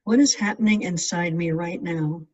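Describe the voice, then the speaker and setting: A meditation guide with a mid-pitched voice leads a practice in gentle, measured phrases with space between them. The recording is muffled and sounds as if the mic is some way off. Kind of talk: guided meditation, scripted instruction. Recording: distant mic, dull lo-fi sound.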